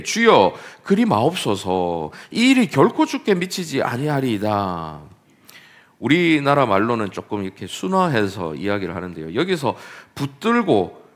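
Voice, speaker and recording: A man's voice: on the high side, fairly bright tone. A man preaching a Sunday sermon as pastor, acting out scripture quotes with dramatic emphasis. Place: church sanctuary.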